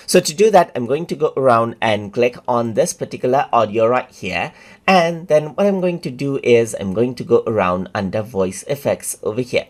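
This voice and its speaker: A man walking viewers step by step through a software tutorial, casual and repetitive, with fillers. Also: medium pitch. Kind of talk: screen-recorded tutorial narration.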